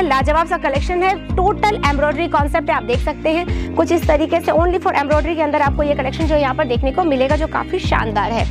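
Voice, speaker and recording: A young woman presenting sarees in a shop with upbeat sales patter, talking to viewers as friends. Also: high-pitched. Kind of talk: promotional product showcase. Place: saree shop lined with stacked fabric, indoors.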